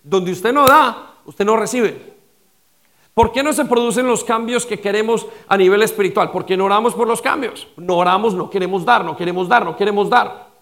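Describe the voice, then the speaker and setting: At a moderate pace and in a high voice, a male pastor delivers a sermon that repeats itself and poses rhetorical questions, moving back and forth between loud emphasis and quietly dropped lines.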